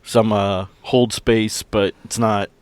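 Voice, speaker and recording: A man's voice: lowish voice, little pitch movement, slow, no echo. A man chatting casually as a player improvising in a tabletop roleplaying game.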